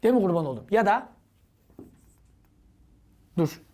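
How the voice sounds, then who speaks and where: A woman teaches an exam-prep grammar lesson with a very lively, swooping voice that rises and falls constantly. She poses questions to herself and answers them, mixing instruction with playful classroom banter. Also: mid-range voice, measured pace.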